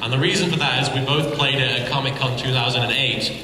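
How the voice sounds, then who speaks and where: A man telling a casual anecdote to a convention panel, with animated delivery and mock-serious asides. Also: mid-range voice, quick pace, crowd noise. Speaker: panelist answering fan questions. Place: large convention panel hall. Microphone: PA microphone recorded by a distant audience camera. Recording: echoey hall, distant camera, noisy room.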